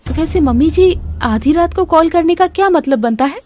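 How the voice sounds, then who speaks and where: A young daughter-in-law speaks earnestly and politely in a high, animated voice, voiced by a woman. She is a patient but firm young wife in a storybook cartoon. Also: moderate pace, no echo. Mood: puzzled.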